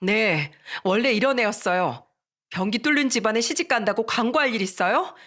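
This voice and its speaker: A woman's voice: fairly high pitch, animated, normal speed, a bit bright. A storyteller voicing a rude young woman who talks down to her future father-in-law in a curt, raised voice. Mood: scornful. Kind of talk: storybook narration.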